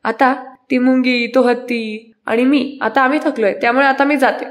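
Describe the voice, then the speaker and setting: A woman's voice: high-pitched, steady tone, normal speed, lightly acted. A bored, wry young wife, as a woman reads her.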